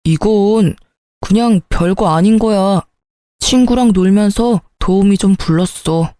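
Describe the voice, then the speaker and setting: A woman's voice: mid-range voice, unhurried, warm tone, no room sound, clean studio sound, natural voice. A woman voicing a defensive, hungover married man in a dramatized story reading, talking in a petulant, self-justifying way.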